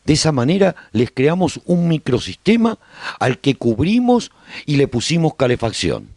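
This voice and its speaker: A man's voice: fairly high pitch, sing-song, normal speed, a little mellow, dry recording, studio quality. A man with a Spanish accent narrating a radio serial in the first person, telling the story as a survivor speaking to listeners.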